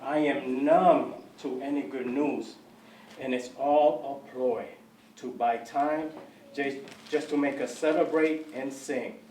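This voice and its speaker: A man's voice: medium pitch, steady tone, slow pace, a little mellow, slight background noise, lightly acted. A man playing a tired, doubtful father in a spoken word poem. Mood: weary. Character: weary, numb grown father. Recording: echoey room, mic from far off.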